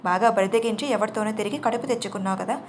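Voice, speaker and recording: A woman doing storybook angry young man, scornful and harsh, middle pitch. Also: steady tone, racing, slight background noise, natural voice. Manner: scornful, biting.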